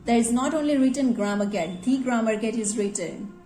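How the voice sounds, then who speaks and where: A woman's voice: a little high, brisk, warm tone, echoey room, soft background music. A woman teaching grammar to schoolchildren, often checking in with "yes" and calling on the students. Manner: addresses students directly, repeats "yes" as a check. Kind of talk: classroom grammar lesson.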